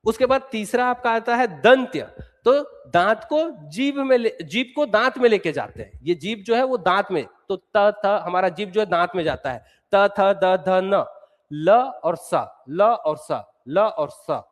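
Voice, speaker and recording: Speaking at a measured pace, this male teacher from Chhattisgarh, India, has a voice that sits high with lively intonation. His exam-prep lecture moves step by step, drilling sounds through repetition, and a long hall reverb colors the recording.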